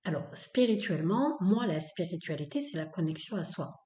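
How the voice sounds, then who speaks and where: Female podcast host, low mellow voice, blunt and emphatic, echoey room. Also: animated, moderate pace. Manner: emphatic, repetitive, with many fillers; blunt, opinionated. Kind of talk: spoken-word episode.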